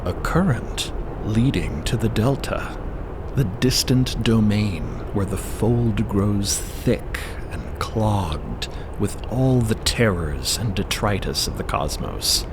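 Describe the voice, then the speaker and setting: A man delivering scripted, measured story narration, with clear ambient noise behind him. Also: lowish voice, lively intonation.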